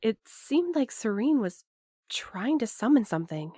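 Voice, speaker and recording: A woman's voice: fairly high pitch, very animated, unhurried, warm tone, breathy edge, no room sound, studio quality, full character voice. A woman playing an earnest, hesitant young courier in a naturalistic audio drama, speaking thoughtfully. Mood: uncertain.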